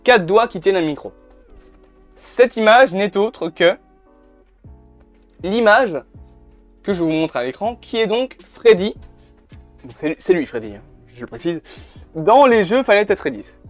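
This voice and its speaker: This YouTuber's high voice is animated but a little slow, with frequent pauses and no room sound. He chats bluntly to camera in casual commentary, occasionally swearing, and the camera mic catches faint background music.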